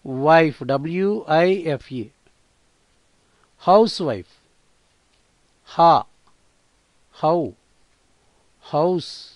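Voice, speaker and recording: Slow, deliberate Telugu-accented male teacher. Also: on the high side, darkish tone, dry recording. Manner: spells words letter by letter and repeats them slowly. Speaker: English teacher. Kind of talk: slow vocabulary lesson, spelling and repeating words.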